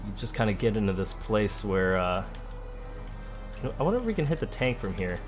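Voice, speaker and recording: A man giving relaxed, chatty gameplay commentary as a let's play host, thinking aloud as he goes. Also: on the low side, a little fast. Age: adult, parent of a school-age child. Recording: game music behind the voice. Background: video game music.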